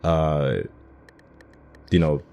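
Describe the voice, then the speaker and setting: A man with a low voice hosts a gaming video with casual commentary. He explains things informally, working through his thoughts aloud. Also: flat delivery, very slow, dark tone, highs cut off.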